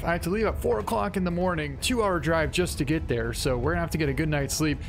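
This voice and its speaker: Music plays in the background as a man speaks. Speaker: hunter. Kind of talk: hunting vlog talk to camera.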